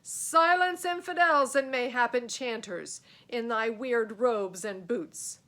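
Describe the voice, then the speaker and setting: A woman's voice: fairly high pitch, slow, fairly bright tone, pitched above the performer's own voice. A woman voicing a menacing male Black Knight in a children's storybook, with pompous, archaic, declamatory speech. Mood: angry, threatening. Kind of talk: children's storybook read aloud.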